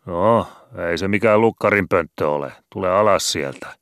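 Man playing a gruff, bossy old sea pilot. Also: sits low, no echo, clean studio sound, voice pushed up. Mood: gruff scolding. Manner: loud scolding, swearing, rough rural speech.

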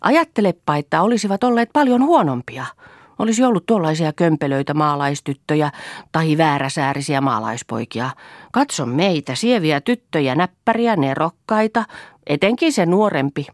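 A woman's voice: extremely low pitch, no echo, clean studio sound. A woman reading an audiobook, voicing a playful, teasing young daughter in a mock-innocent manner.

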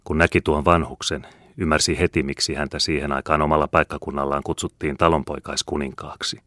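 A man narrating a classic novel as an audiobook in a measured, steady storytelling manner, close to a studio mic. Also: rumbling low, no room sound. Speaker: audiobook reader.

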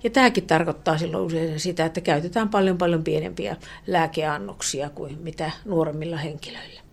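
A woman professor, a guest on a radio interview, explaining earnestly with many fillers and restarts, often trailing off softly. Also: sits low, gravelly.

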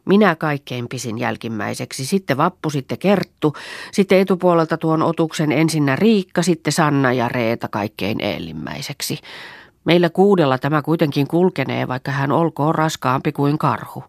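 A woman's voice: sits low, lively intonation, vocal fry, dry recording, studio quality, full character voice. Woman reading as a bold take-charge farm girl. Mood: lively.

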